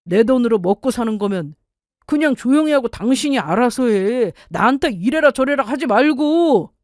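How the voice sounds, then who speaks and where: A woman's voice: a little high, expressive, normal speed, darkish tone, no echo, studio quality, pitched above the performer's own voice, lightly acted. A woman voicing a selfish, contemptuous husband in a storytelling radio piece, with scornful, dismissive retorts.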